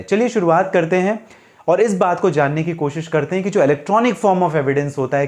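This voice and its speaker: A man's voice: a little high, a little mellow. An Indian man hosting a legal advice talk, explaining things didactically to viewers, posing questions and then answering them, with English legal terms mixed in. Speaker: legal advice channel host explaining law.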